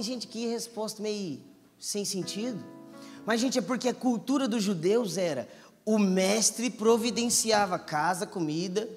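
A man preaching a sermon to a live church crowd, acting out the dialogue and teasing the audience. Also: sits high. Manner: animated, acts out dialogue, teases the crowd. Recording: echoey hall, light music underneath.

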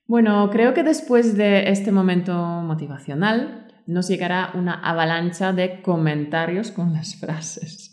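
A woman's voice: lowish voice, measured pace, few pauses, a little mellow, reverberant. A woman hosting a language-learning podcast, speaking to listeners in an encouraging, motivational way and reading aloud. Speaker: podcast host and Spanish teacher.

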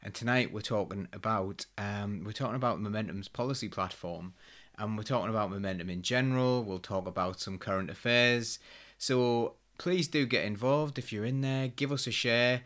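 A man with a fairly low voice hosts a live discussion show. He speaks casually and rambles a little, often playing himself down as he steers the talk. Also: normal speed, fairly bright tone. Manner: rambling, self-deprecating. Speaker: host.

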